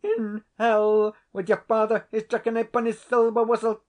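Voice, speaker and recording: A man's voice: a little high, fairly even intonation, moderate pace, a little mellow, pitched above the performer's own voice, close to an everyday voice. A man voicing a desperate, pleading Scottish tenant who speaks in broad Scots dialect. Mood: furious.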